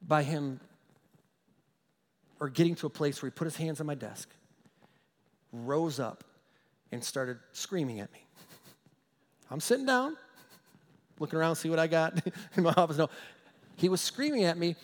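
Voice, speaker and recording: High-voiced pastor preaching with an echo. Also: male voice. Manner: storytelling, chuckling, emphatic. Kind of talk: sermon.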